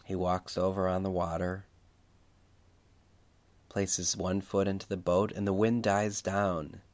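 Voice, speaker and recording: A man speaking as a preacher leading a guided Christian meditation, reflective and unhurried, repeating phrases for emphasis. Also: deep voice, flat delivery.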